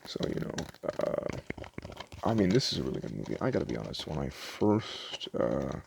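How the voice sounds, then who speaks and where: A soft-spoken man doing a casual ASMR roleplay as a store clerk, chatting in a hesitant, rambling way. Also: rumbling low, very animated, normal speed, creaky, background noise.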